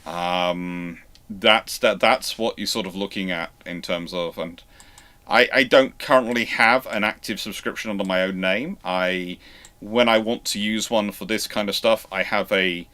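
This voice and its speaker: A man with a fairly low voice and a bright, forceful edge hosts a live question session. He talks off the cuff, rambling and often doubling back to restart a phrase. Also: unhurried. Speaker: host of a naval history livestream. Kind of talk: unscripted livestream Q&A, answering viewer questions.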